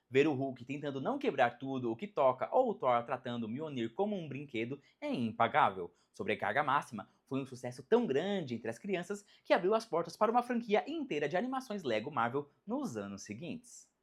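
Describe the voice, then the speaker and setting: Husky, lively Brazilian narrator. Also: mid-range voice. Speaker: narrator of a video about animated superhero films. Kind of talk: scripted video essay narration.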